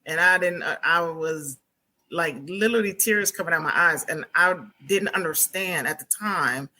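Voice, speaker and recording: A woman's voice: lowish voice, normal speed, sharp tone. A woman in her forties, a retired Army veteran, telling her story in an interview with many fillers and restarts. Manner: reflective storytelling with frequent fillers and laughs. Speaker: podcast guest, Army combat veteran and author. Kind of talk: conversational interview.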